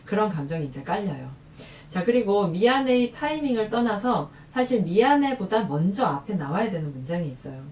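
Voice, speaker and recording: Woman parenting vlogger, chatty and animated, roomy echo, kinda far from the mic. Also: a little fast. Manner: lively, acts out quoted lines in a higher voice. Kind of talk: casual talk to camera.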